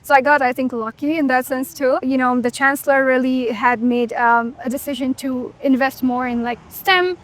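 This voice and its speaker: Young woman, from Nepal, interview guest, high voice, easygoing, casual fillers. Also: fairly even intonation, normal speed, few pauses. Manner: easygoing, many fillers like "you know" and "like". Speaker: guest, software engineer.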